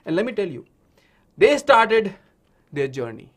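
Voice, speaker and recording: A man's voice: high-pitched, very animated, a little slow. A man with an Indian accent and Hindi as his native language, teaching children science in a dramatic storytelling way with frequent check-in questions. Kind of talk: animated online lesson for children.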